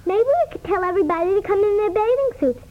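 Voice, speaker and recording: Whiny, very high-voiced little girl. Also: lively intonation, fast talker. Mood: pleading. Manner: plaintive, complaining. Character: whiny little girl, stubborn young daughter. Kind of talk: 1950s radio comedy acting. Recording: muffled old radio recording, faint hiss.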